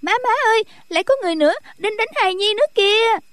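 A man's voice: extremely high pitch, rapid-fire, fairly bright tone, dry recording, studio quality, pitched above the performer's own voice. A man voicing a bratty thirteen-year-old girl who wails and sobs as she playacts an injury. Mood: wailing. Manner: wailing, whiny and sobbing.

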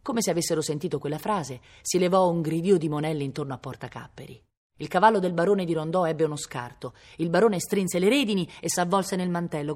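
A woman reading a novel aloud in a measured, steady way, recorded at a public library. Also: sits low. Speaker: reader.

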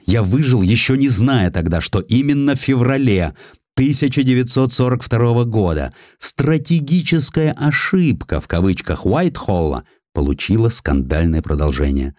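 A man reading a historical essay as a dramatic audiobook narrator, in a measured, emphatic and expressive delivery. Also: lowish voice, no room sound, clean studio sound.

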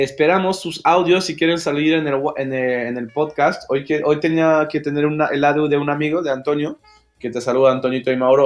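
A young adult man with a Mexican accent, co-hosting a casual podcast chat, slangy and dropping English phrases. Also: fairly high pitch. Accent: Mexican Spanish. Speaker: podcast co-host.

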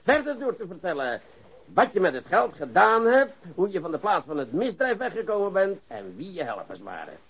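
A dull lo-fi radio drama recording of a male police interrogator. His highish, husky voice swoops through mock courtesy and drawn-out emphasis, sarcastic and relentless. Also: sing-song, heavily acted. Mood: stern, condescending. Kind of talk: radio play acting.

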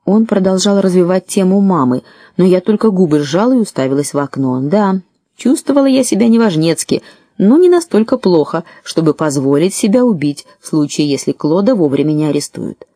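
A woman narrating a first-person audiobook story in a lively, wry way. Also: fairly low pitch, brisk, no room sound, studio quality.

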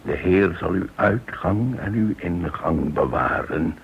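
An actor playing a devout, steadfast Jewish man in a radio drama, speaking in a solemn, measured way. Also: deep voice, expressive, creaky, heavily acted. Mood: devout, reassuring. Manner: solemn, measured scripture reading. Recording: dull, noisy old radio drama recording.

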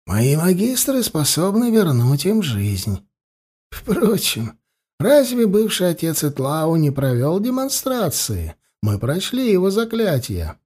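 A man voicing a calm, scheming old male high priest who speaks with soft, measured insistence. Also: slightly rough, heavily acted. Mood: insistent.

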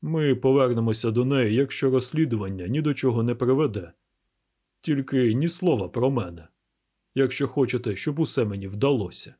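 A man voicing a gruff, stubborn police inspector who grumbles and talks slowly and heavily. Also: mid-range voice, dark tone, close to an everyday voice. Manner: gruff, grumbling, slow and heavy.

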